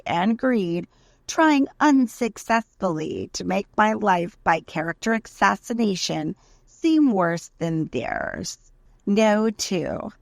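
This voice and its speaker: A woman giving a dramatic reading of a letter, with deliberate, emphatic, theatrical phrasing. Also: medium pitch, creaky, no room sound, clean studio sound. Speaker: narrator reading a letter aloud.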